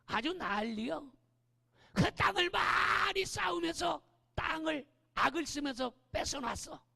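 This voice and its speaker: Preaching animatedly in a church sanctuary, this man frequently raises his voice and keeps asking the congregation "eh?". He has a very high, creaky voice, and long church-hall reverb fills the recording.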